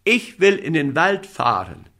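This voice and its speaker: A little storybook boy, demanding and never satisfied, shouting high and insistent, as a man puts him on. The voice leaps up and down with eager excitement. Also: unhurried, heavily acted.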